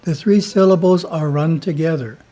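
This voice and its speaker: A man who is a spiritual teacher reads his editorial in a slow, measured way and chants Om between the passages. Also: a little high, mellow, soft background music.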